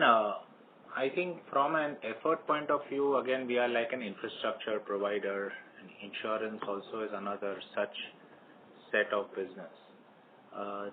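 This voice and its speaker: A man with an Indian accent answering as a company executive on an earnings call, in a guarded, halting, formal way. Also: on the low side. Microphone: telephone conference call. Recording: phone line with background hiss.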